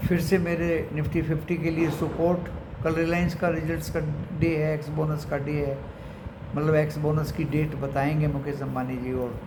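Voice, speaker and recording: Echoey, higher-pitched Indian man. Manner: mixes in English phrases, often addresses viewers as friends. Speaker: stock market commentator and channel host. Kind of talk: unscripted market commentary to viewers. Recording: echoey room with clear background noise.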